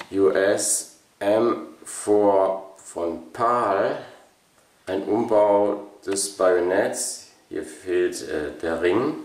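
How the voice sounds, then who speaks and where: A man presenting a collection as a channel host, unscripted and casual, haltingly thinking aloud. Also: low voice, darkish tone. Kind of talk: casual product showcase, unscripted. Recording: roomy echo, distant microphone.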